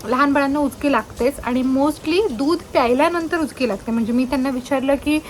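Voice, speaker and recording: Young woman, Marathi accent, high voice, chatty vlog talk at home, faint background hiss. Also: fairly quick. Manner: chatty, switches between Marathi and English words. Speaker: vlogger, new mother. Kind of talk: casual chat to camera and baby talk.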